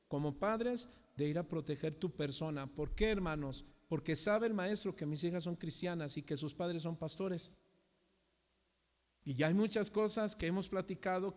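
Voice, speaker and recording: A middle-aged Mexican pastor preaching a sermon, asking the congregation questions and moving between loud and hushed delivery. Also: male voice, sits high. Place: church hall. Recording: long church hall reverb.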